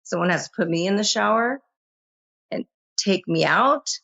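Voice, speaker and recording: A woman's voice: mid-range voice, animated, normal speed, gravelly, a bit bright, muffled recording. A woman on a talk show, answering criticism in a hesitant, defensive way.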